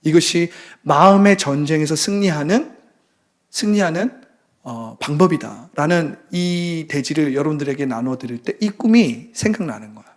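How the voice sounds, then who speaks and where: A man preaching a sermon as pastor, telling a story dramatically and dropping suddenly to a hushed voice, with passionate exclamations. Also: fairly high pitch, animated, moderate pace.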